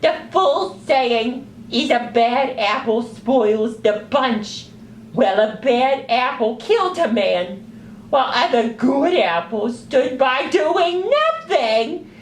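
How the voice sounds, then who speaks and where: A woman voicing an indignant, earnest male sock puppet in a news parody, with emphatic, exasperated, drawn-out words. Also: on the high side, lively intonation, roomy sound, a little hiss or hum.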